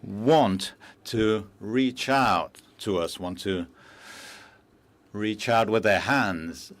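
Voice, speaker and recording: A man working as a simultaneous interpreter for a formal speech, measured and halting with frequent pauses and fillers, into a booth microphone. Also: on the low side. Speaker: conference interpreter.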